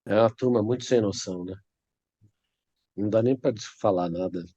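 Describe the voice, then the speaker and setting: Man on a panel, muffled sound, soft dry comments that fade out. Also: lowish voice, fairly quick. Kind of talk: casual panel chat.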